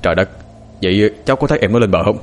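Concerned middle-aged villager, gentle and fatherly, narrator's own voice. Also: on the low side, animated, racing, natural voice. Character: worried middle-aged village man, family friend.

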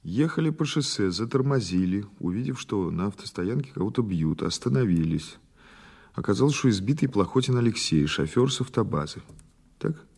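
Police investigator, audio drama: rough husky male voice, lowish, conversational and probing, patient but insistent. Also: lively intonation, darkish tone, exaggerated voice. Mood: methodical, pressing. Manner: halting, conversational, insistent questioning. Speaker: actor in an audio play. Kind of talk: naturalistic audio drama dialogue.

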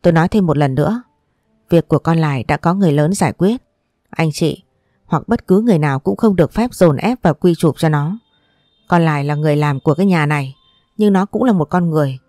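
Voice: medium pitch, a little fast, dark tone, dry recording, studio quality, close to an everyday voice. A storyteller voicing a strict mother-in-law who lectures firmly. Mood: stern. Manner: firm and lecturing.

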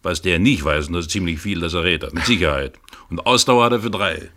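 Casting: cheeky black-market fixer, radio crime play; low but forceful voice, knowing and eager. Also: male voice, fast talker. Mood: amused, warning. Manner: theatrical, knowing, teasing. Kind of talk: 1970s German radio crime drama dialogue.

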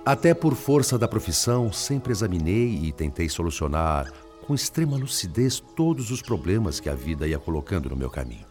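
A deep-voiced, anguished Brazilian spirit. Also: male voice, sing-song, brisk, hardly any pauses, a little mellow, soft background music. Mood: troubled, courteous. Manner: formal, eloquent, solemn delivery. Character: anguished male spirit, former lawyer, ashamed and world-weary. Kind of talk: radio soap opera acting.

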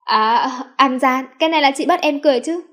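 A woman's voice: a little high, steady tone, brisk, lightly acted. A woman voicing a devoted, emotional young man who speaks earnestly and pleadingly.

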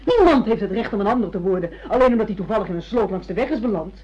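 Talking very fast in an animated, slightly mellow mid-range voice with a breathy edge, a woman plays a confident secretary who is secretly her boss's mistress in a Dutch radio play. She scolds him frankly, indignant and reproachful, in a muffled lo-fi recording.

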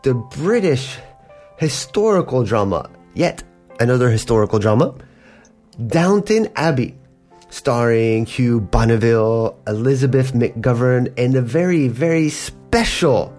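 A man's voice: medium pitch, animated, unhurried, darkish tone, faint music behind. A man hosting a podcast that teaches English, explaining words patiently in a casual way and acting out little example quotes. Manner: gives examples in playful put-on quotes.

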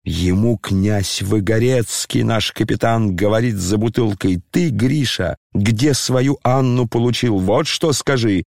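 A man reading an audiobook and voicing an aging, disgraced retired general who talks slowly, tearfully and pompously. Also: on the low side, vocal fry, darkish tone, no echo, clean studio sound. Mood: maudlin. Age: over 60. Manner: slow, tearful, declamatory, pompous.

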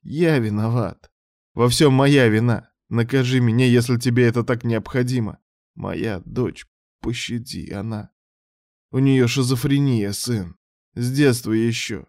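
A man's voice: medium pitch, measured pace, darkish tone, no room sound, studio quality, pitched above the performer's own voice, close to an everyday voice. A man voicing a remorseful, broken old father who pleads in a wheezy, tearful voice in an audiobook. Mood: tearful pleading. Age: older. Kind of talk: audiobook character voice.

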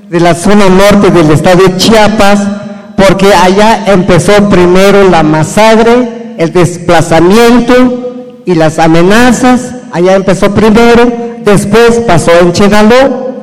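A man whose first language is an indigenous one gives earnest, halting testimony in Spanish at a public hearing. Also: high-pitched, long reverb tail, low-quality recording. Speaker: indigenous community witness. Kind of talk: slow formal testimony at a hearing. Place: hearing hall.

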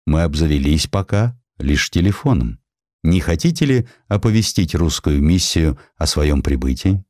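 A stately, courteous male emperor, voiced by a man reading an audiobook, speaks formally and ceremoniously. His voice is very low, in a dry recording. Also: expressive, moderate pace, a little mellow, dry recording. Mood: gracious, apologetic. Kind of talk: dramatized audiobook dialogue.

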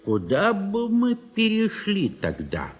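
Slow husky old squire, swooping pitch. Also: male voice, wildly swooping pitch, soft background music, full character voice. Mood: sly teasing. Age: older. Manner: slow, halting, murmuring hums to himself. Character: gentle old country squire, teasing his wife playfully. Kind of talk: radio play acting. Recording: husky 1970s mono studio recording.

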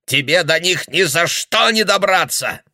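Man voicing furious old man, paranoid, shouting, raised pitch, dry close sound. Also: expressive, a little slow, no room sound, full character voice. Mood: raging. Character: confused angry old man, father.

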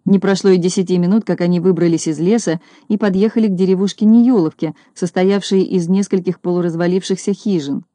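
A woman narrating a children's storybook, steady and expressive. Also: lowish voice, a little fast, few pauses, dry recording. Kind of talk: storybook reading.

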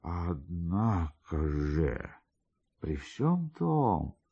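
A male narrator performs a literary tale for radio. His low voice moves through wide swings of pitch, theatrically stretching words and pausing for emphasis. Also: big pitch swings, breathy edge, lo-fi sound.

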